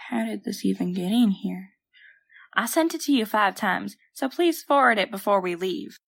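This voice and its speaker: A woman's voice: mid-range voice, lively intonation, normal speed, creaky. A woman playing a stubborn, anxious and gullible young twin sister in an audio drama, talking in folksy slang. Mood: sulky. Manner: folksy slangy speech with ain't and gotta.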